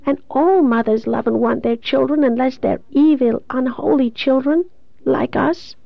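A woman's voice: sits high, unhurried, gravelly, dry recording, dull audio, voice pushed up, exaggerated voice. A woman voicing a dying young woman in an audiobook, childlike, plaintive and despairing, in a thin, faint voice. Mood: anguished, hurt.

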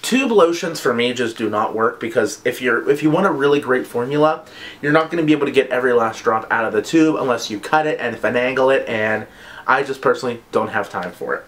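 A man talks through a casual product review for his vlog. His voice sits at an ordinary middle pitch. He is chatty and gushing, and he keeps slipping in quick asides. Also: a bit bright. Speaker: vlog host reviewing body care products.

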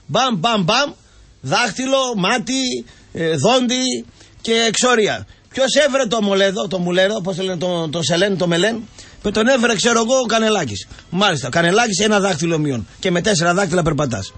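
A man's voice: high voice, lively intonation, a bit bright. A man who is a football pundit, ranting and mocking in a heated comic sports talk show. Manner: ranting, mocking, keeps cutting in.

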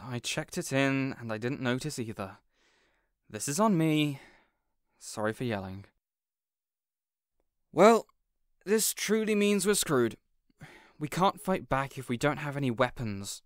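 A man's voice: medium pitch, smooth, no echo, studio quality, close to an everyday voice. A man playing an earnest, protective supervillain boss in an audio roleplay, dramatic and easily exasperated. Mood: apologetic, resolute, then despairing. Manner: earnest, exasperated, wholesome mild oaths. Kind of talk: audio roleplay addressed to the listener.

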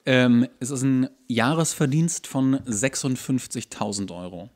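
A man's voice: mid-range voice, measured pace, darkish tone. A man hosting a podcast, explaining and ranting in a casual, colloquial way. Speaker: podcast host.

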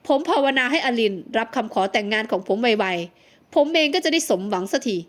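A proud young man in an audiobook romance, read by a woman with a high voice. He is curt and sulky, clipping his answers short to hide his hurt. He speaks slowly. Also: animated, close to an everyday voice. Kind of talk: audiobook character dialogue.

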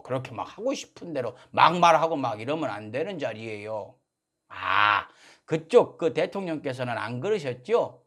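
A man's voice: medium pitch, a bit bright. A man in his speech, hosting a satirical political monologue. He is sarcastic and mock-polite, indignant outbursts. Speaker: political commentary host.

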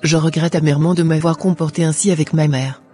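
A woman's voice: low-pitched, steady tone, quick pace, warm tone, natural voice. A woman voicing a headstrong, regretful young orphaned daughter in an amateur Christian cartoon, lamenting dramatically over music. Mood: grieving, regretful.

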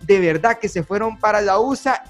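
A man's voice: sits high, normal speed, faint music behind. A young man with a Salvadoran Spanish accent, hosting a podcast in casual, slangy, joking chat. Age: young adult. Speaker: podcast host. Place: small room at home, indoors. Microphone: desk microphone with headphones.

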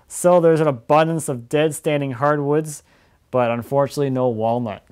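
A young man hosting a casual weekly woodworking update from his home shop, relaxed and laughing often between points. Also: a little high, smooth. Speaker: woodworking video host.

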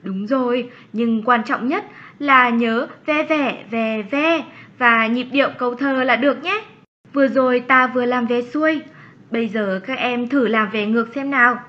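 A woman playing a kind, encouraging young primary school teacher in a children's cartoon lesson, with measured delivery. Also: a little high, muffled recording, close to an everyday voice. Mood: instructive.

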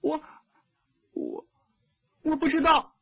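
List: man putting on a shy soft-spoken little girl, very high, slightly husky, dry close sound, dull lo-fi. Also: lively intonation, measured pace, dry recording, heavily acted. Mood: frightened. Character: timid, tender-hearted little girl.

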